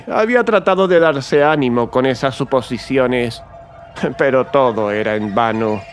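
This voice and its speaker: In a theatrical horror audiobook, a male actor with a medium-pitched voice plays a mad murderer gloating through his confession. The dramatic narration swings between hushed and agitated.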